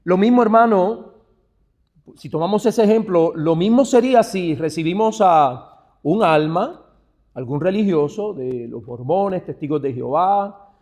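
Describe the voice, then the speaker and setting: A Puerto Rican pastor with a Puerto Rican Spanish accent gives a church teaching talk to other pastors, addressing them as brother and posing rhetorical questions. He shifts between hushed asides and emphatic, stressed phrases, and his voice sits on the high side.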